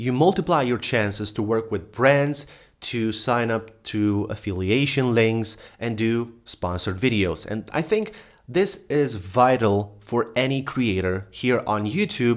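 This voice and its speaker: A man with a Romanian accent speaks at a fairly slow pace with lively intonation, at medium pitch. The recording is very clean, with a silent background. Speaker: YouTuber. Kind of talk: vlog talk to camera.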